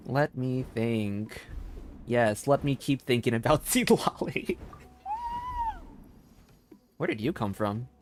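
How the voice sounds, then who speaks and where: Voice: medium pitch, takes it slowly, long pauses, noisy background. A game streamer giving casual live commentary, giggly, rambling and enthusiastic.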